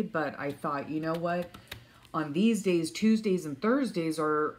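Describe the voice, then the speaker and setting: A woman's voice: deep voice, slight background noise. A woman vlogger chatting casually and a bit hesitantly at home, rambling along in a congested, sniffly voice. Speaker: vlogger showing stationery.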